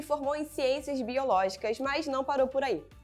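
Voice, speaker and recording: Music plays in the background as a woman talks. Her pitch is high and her pace moderate. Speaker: show host. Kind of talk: interviewer talk to camera.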